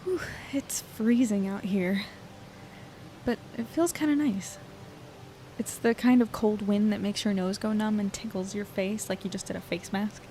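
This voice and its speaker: A woman's voice: mid-range voice, unhurried, warm tone, a little hiss or hum, natural voice. A woman playing a thoughtful, easygoing young woman in a naturalistic audio drama, speaking in a reflective way.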